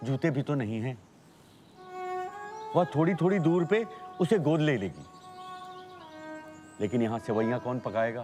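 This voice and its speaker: With music in the background, a man with a fairly high pitch makes very wide pitch swings and takes long, frequent pauses. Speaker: actor. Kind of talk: dramatic story narration.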